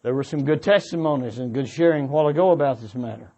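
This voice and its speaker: A man's voice: medium pitch, quick pace, darkish tone, muffled recording. A man giving a sermon-like exhortation to a congregation, speaking earnestly and sometimes repeating or rephrasing his words as he goes. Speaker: church speaker. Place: church meeting before a congregation.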